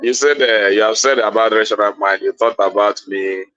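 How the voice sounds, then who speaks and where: A Nigerian man whose first language is Igbo pushes back defensively in a live online debate, asking pointed rhetorical questions. His voice comes through muffled and low-fi. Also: fairly quick, fairly bright tone, dry recording. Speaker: panelist on a live audio show.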